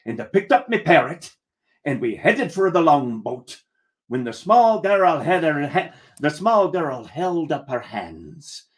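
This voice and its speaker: A man telling a comic first-person pirate tale in a deliberate, theatrical manner. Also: on the high side, sing-song. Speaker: storyteller.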